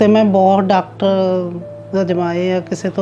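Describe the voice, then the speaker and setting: A woman's voice at medium pitch, with music in the background. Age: 50s. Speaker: patient. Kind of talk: patient testimonial to camera. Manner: casual, conversational.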